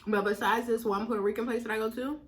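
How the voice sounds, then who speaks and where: A woman's voice: a little high, fairly even intonation. American woman chatting casually while chewing food. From northern United States. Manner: chewing while talking, with pauses to eat. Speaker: mukbang host. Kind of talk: casual chat to viewers while eating.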